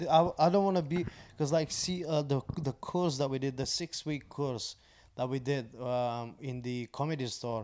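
A Bulgarian accent at a moderate pace, with fairly even intonation, on a very clean recording with a silent background. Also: man. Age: 30s. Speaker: stand-up comic. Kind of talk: casual chat.

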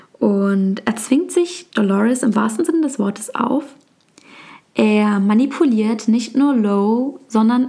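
Lively intonation marks this woman's speech. Her pitch is fairly high. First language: Turkish (speaking German). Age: 20s. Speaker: podcast host. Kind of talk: solo podcast monologue. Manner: hesitant, many filler sounds.

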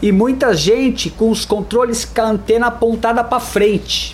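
A man's high voice at a fairly slow pace over noticeable background noise. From Santos, Brazil. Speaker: podcast co-host. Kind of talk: casual chat.

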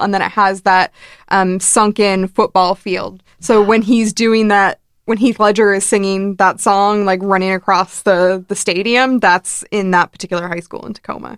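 A woman with a Pacific Northwest accent speaks at a medium pitch in a flat monotone, in a very clean, silent recording with a dry, close sound and no echo. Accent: American, Pacific Northwest. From US Pacific Northwest (Seattle area). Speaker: shop owner and podcast guest. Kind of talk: casual chat. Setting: Dublin, lives in Ireland.

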